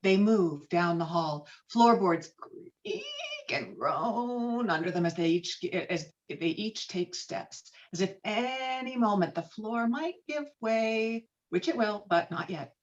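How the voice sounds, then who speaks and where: Slowly and with lively intonation, a woman with a medium-pitched voice narrates stage directions dramatically during a screenplay table read. The session is on a video call, its sound dull and lo-fi.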